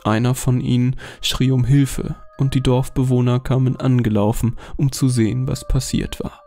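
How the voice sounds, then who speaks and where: A man narrating a scripted horror story in a calm, measured way. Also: medium pitch. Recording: voice over faint music.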